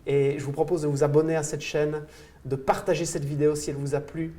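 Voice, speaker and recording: Male coach-host, slightly high voice, enthusiastic, sums up points and thanks his guest. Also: level tone, fast, dark tone. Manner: enthusiastic, lots of praise and interjections. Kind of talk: interview host.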